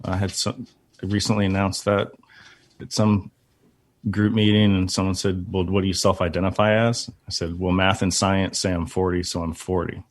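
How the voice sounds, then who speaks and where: A man's voice: sits low, little pitch movement, normal speed. A man in his forties, a podcast guest, telling a story with a laugh and poking fun at himself. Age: 40s. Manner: laughing, self-deprecating storyteller. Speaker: guest, financial advisor. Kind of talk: casual interview chat.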